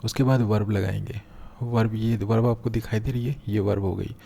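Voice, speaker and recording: A man teaching English grammar in a lesson, explaining patiently step by step and slowing down to read out example sentences. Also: on the low side, fairly even intonation, gravelly, mellow. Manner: patient, step-by-step, repeats key points.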